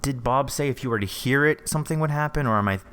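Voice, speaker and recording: A man's voice: mid-range voice, fast talker, fairly bright tone, clear, resonant tone. A man talking casually as a panelist in a podcast discussion. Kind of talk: casual behind-the-scenes discussion.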